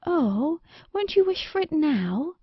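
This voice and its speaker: A woman's voice: sits high, very animated, slow, no room sound, muffled recording, voice pushed up, exaggerated voice. A woman voicing a loving fairy-tale queen and mother with an affectionate, coaxing manner. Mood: pleading. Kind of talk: storybook character dialogue.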